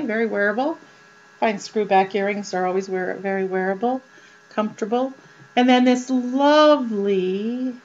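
Slow-talking woman showing jewelry finds. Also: a little high. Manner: slow and chatty, many ums and uhs. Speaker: jewelry vlogger. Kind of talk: casual show-and-tell. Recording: dull lo-fi sound with mains hum.

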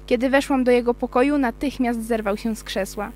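A woman's voice: fairly high pitch, fairly even intonation, fairly quick, lightly acted. A woman voicing an earnest young female narrator in an amateur science-fiction radio play. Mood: earnest, subdued. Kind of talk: scripted radio drama reading. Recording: amateur studio take with hum.

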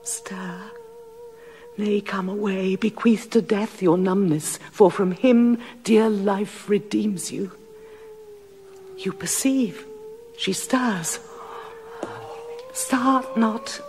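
A woman's voice: mid-range voice, very slow, pauses often. An actress playing a loyal, commanding older noblewoman, speaking verse in a solemn, incantatory way. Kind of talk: classical stage acting, audio drama. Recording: long reverb with soft music behind.

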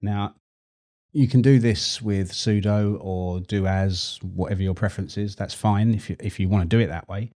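A middle-aged man hosting a screen-recorded tech tutorial, chatty and relaxed, repeating words as he works. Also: on the low side, moderate pace.

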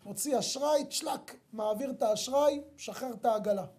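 A man preaching as a rabbi, his voice warm and dark rather than bright. He speaks emphatically and turns often to his listeners with rhetorical questions. The sermon weaves teaching into a story. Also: extremely high pitch.

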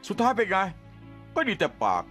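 A man's voice: fairly quick, fairly bright tone, soft background music, lightly acted. A man dubbing a jaded veteran cop into Thai, blunt and scolding with dry sarcasm. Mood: mocking. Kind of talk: Thai dub of a TV drama.

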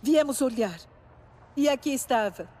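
An actress playing a devout, solemn old tribal matriarch in a video game, earnest and reverent. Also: female voice, sits high, lively intonation, measured pace, mellow.

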